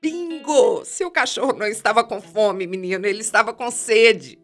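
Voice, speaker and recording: A woman's voice: a little high, moderate pace, soft background music, natural voice. A woman playing an eccentric, stubborn elderly amateur detective in a Brazilian radio drama. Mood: triumphant.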